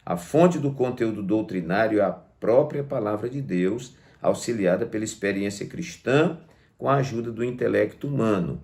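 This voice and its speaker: A man's voice: on the low side, moderate pace, gravelly, darkish tone. A male pastor teaching a Bible lesson in a didactic way, stressing key words and checking in with tag questions. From Brazil. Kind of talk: Bible lesson to online viewers.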